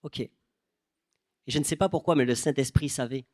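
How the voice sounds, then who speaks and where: A young man from the south of France with a southern French accent, preaching a sermon and telling stories with lively quoted voices. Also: mid-range voice, moderate pace, no room sound, studio quality. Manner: animated storytelling, quoting people in changed voices.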